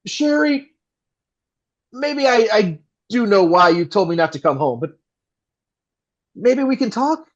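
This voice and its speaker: Man playing a high-pitched, animated radio broadcaster. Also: lo-fi sound, heavily acted. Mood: pleading. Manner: theatrical announcer delivery, dry sarcasm. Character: polished, nervous male live radio broadcaster, wry and showy. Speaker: radio host character. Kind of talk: old-time radio play acting.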